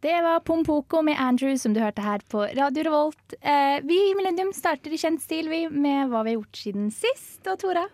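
A woman hosting a radio show, leading the talk with quick questions and short reactions. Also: high-pitched, expressive, a little mellow, no room sound. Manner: brisk interjections, quick questions. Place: radio studio.

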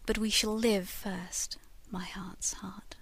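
A woman voicing a ghostly young woman returned from a portrait, speaking in a slow, yearning, hushed whisper. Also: mid-range voice, level tone, husky, dry recording, exaggerated voice. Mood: tender.

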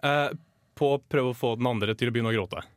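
A young man with a mid-range, clean-toned voice co-hosts a comic radio chat show, recorded with clean studio sound and no room sound. As a podcast co-host, he hands out playful mock-serious advice, then turns earnest and candid with his co-host.

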